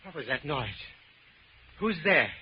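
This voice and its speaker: An actor playing a greedy, crazed smuggler villain in a melodramatic 1940s radio crime drama. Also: male voice, a little high, sing-song. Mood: gloating menace. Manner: melodramatic, drawn-out, threatening. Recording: muffled, hissy old radio recording.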